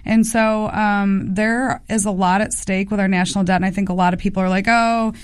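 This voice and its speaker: A woman's voice: mid-range voice, fairly even intonation, a little fast, smooth, dry recording, clean studio sound. A woman in her thirties, a congressional candidate, answering policy questions in a radio interview with assertive talk. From United States. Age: 30s.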